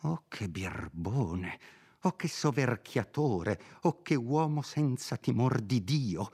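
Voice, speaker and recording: A man's voice: mid-range voice, measured pace, natural voice. A man voicing a fussy, scolding middle-aged housekeeper woman in a read-aloud novel, pleading and chiding by turns. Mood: indignant.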